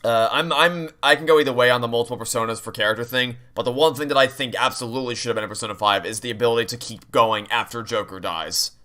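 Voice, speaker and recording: A young man streams a video game playthrough, offering casual, opinionated, rambling commentary as he plays, with game music in the background. His medium-pitched voice is fast, bright, and forceful, with few pauses.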